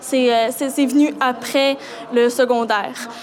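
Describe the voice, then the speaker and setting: Over noticeable background noise, a woman with a Quebec accent talks in a high pitch with fairly even intonation. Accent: Québécois French. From Quebec (Lorraine and Montreal). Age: 20s. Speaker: aspiring French teacher. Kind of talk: interview testimony.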